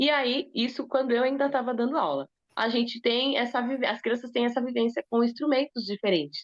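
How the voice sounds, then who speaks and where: Moving at a fairly quick pace with hardly any pauses, the speech has ordinary pitch variation and very even loudness. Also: woman, high pitch for a woman. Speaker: music school director. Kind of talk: online talk sharing business experience. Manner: animated.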